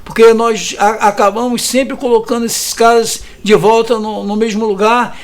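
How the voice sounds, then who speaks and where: High-voiced Rio man in his fifties. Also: little pitch movement, normal speed. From Brazil. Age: 50s. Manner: impassioned, indignant, tag questions; hesitant restarts. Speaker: community resident interviewed about evictions. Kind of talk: earnest interview testimony.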